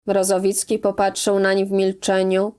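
A woman reading a classic novel aloud as an audiobook narrator, in a measured, even manner. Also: mid-range voice, smooth. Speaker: audiobook reader.

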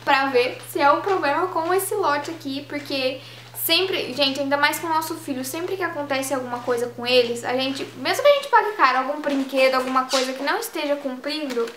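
High-voiced chatty mom vlogger. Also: female voice, brisk, fairly bright tone, a little hiss or hum. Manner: chatty, coos and sings to her baby. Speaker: vlogger mother. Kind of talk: casual vlog to camera. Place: bedroom at home.

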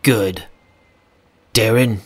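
A man's voice: on the low side, extremely slow, husky, heavily acted. Man acting curt, commanding businessman. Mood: terse, controlled. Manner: terse, commanding. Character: Seto, curt commanding businessman, tense older brother. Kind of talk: audio drama acting.

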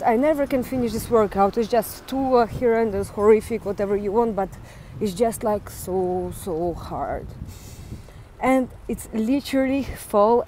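A woman's voice: fairly high pitch, warm tone, a little hiss or hum, low-quality recording. A young woman with a Russian accent chatting candidly and playfully in a casual vlog, filming on a phone held at arm's length while walking outdoors. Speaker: vlogger. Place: home, gym, then outdoors on a city street.

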